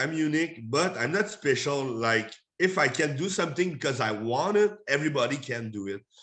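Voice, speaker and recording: With a strong French accent, a man speaks at a fairly high pitch with lively intonation. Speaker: firefighter and speaker. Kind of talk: interview. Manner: halting.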